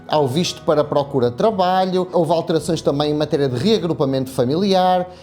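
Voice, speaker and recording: A woman, an immigration lawyer giving a measured explainer that poses rhetorical questions. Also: low-pitched, warm tone, faint music behind. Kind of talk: explanatory legal video.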